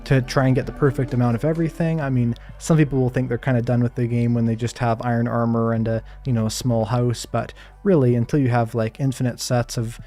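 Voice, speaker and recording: Man, mellow soothing voice, relaxed gameplay commentary, hedging, filler words, faint background music. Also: medium pitch, fast, few pauses. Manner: calm, soft-spoken, lots of hedges and fillers. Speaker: Minecraft streamer. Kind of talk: live gameplay commentary answering chat.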